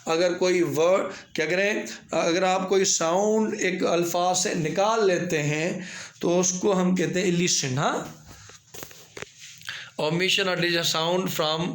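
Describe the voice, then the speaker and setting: A man with a Pakistani accent gives an exam-prep lecture in a high, light voice. He slows right down to read each English definition, then goes back over it in his own words. The room rings with a hollow echo. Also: fairly bright tone. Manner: explains in Hindi-Urdu, reads English definitions slowly and repeats them. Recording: echoey room.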